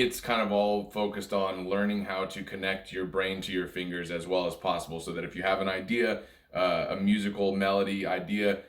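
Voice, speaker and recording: A man with a very deep speaking voice gives an informal lesson. He explains things step by step in plain, conversational language. The sound is noticeably roomy, with echo around his words. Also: fairly bright tone. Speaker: music teacher and video host. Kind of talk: informal instructional talk. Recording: roomy, echoey room sound.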